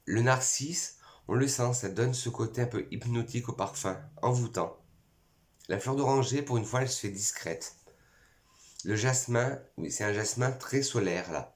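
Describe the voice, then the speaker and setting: A French man presenting perfume bottles in a casual vlog, a little hoarse from a cold, eagerly listing scent notes one by one. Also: medium pitch, normal speed. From France. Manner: enthusiastic, lists notes one by one. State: has a cold, voice cracking. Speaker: perfume YouTuber.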